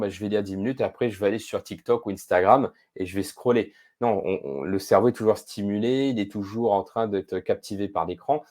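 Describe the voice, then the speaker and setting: A man appears as a podcast guest, explaining his expertise in a thoughtful, measured way with frequent hesitations. His voice is fairly low and darkish.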